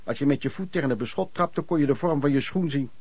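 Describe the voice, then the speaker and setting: A man's voice: fairly high pitch, fast talker, a little mellow, dry recording, natural voice. An actor playing a former traveling merchant recounting his lodging-house years in colloquial radio drama narration. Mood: reminiscing.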